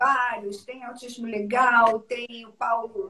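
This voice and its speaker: At a very slow pace, a woman with a fairly high pitch talks in a monotone, flat intonation. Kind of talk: live-stream interview.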